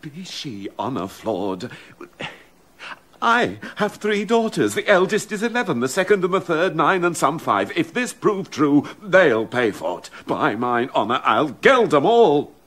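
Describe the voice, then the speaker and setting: An actor playing a loyal, outspoken courtier in a classic verse radio play, urgent and pleading. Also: male voice, measured pace, heavily acted. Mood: defiant. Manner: urgent, pleading, lively pitch.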